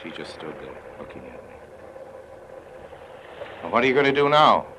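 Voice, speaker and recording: A man's voice: low voice, big pitch swings, normal speed. An actor playing a cynical male con-man smuggler who narrates his own story with wry, confiding remarks, in 1950s radio drama style. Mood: brusque. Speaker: narrator and lead character. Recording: old radio broadcast with faint hiss.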